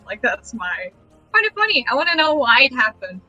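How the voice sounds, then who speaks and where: A woman with a high, bright voice that swings all over the place talks animatedly over an online call. She keeps firing questions at the rest of her gaming group. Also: brisk, muffled recording, faint music behind. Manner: animated, asks lots of questions. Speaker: tabletop game player. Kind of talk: casual out-of-game chat on a stream.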